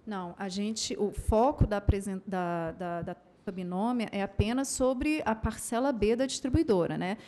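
A woman's voice: medium pitch, moderate pace, warm tone. A woman at a panel table with a desk microphone, explaining technical points and answering audience questions at a public meeting. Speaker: agency presenter answering questions.

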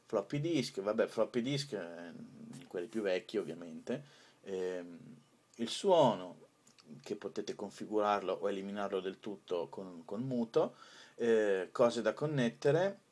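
A man presenting an informal software tutorial, improvising hesitantly with drawn-out pauses. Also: fairly low pitch, expressive.

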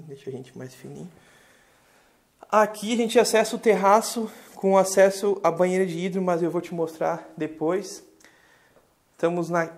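A man, a real estate agent giving a chatty, enthusiastic house tour, speaking to the viewers from inside the home. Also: fairly high pitch. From southern Brazil. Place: large furnished house, indoors.

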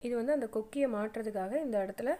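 A woman talks through a sewing tutorial in a voice-over, step by step. Her voice sits a little high, and she walks through each step in a plain, patient way, with frequent fillers. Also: fast talker, mellow. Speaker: craft channel host.

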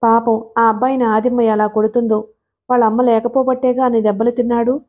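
A woman voicing an innocent, soft-hearted little schoolboy who speaks with pity. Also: fairly high pitch, little pitch movement, a little fast, close to an everyday voice. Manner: innocent, pitying.

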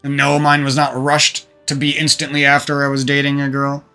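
A man's voice: mid-range voice, monotone, fairly quick, bright, forceful tone, clear, resonant tone, faint music behind. A man talking to his stream viewers into a desk microphone from a room at home, venting about past relationships in a rambling, profane way with many restarts. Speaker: gaming streamer.

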